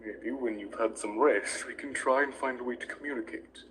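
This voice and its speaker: A man voicing a gentle, worried monster king in a comic dub. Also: medium pitch, normal speed, background noise, lightly acted. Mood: gentle, reassuring. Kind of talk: dramatic comic dub voice acting.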